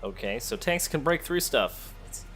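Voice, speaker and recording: A man's voice: fairly high pitch, animated, moderate pace, fairly bright tone, slightly rough, soft background music. A man giving casual gameplay commentary, thinking aloud and talking to the characters as he plays. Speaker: let's play host. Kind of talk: casual gameplay commentary, sometimes reading game text aloud.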